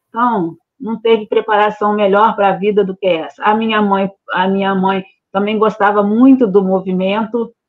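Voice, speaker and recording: The woman has an ordinary speaking voice at a medium pitch. She talks at a moderate pace. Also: fairly even intonation. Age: 60s. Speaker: spiritist volunteer. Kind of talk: interview.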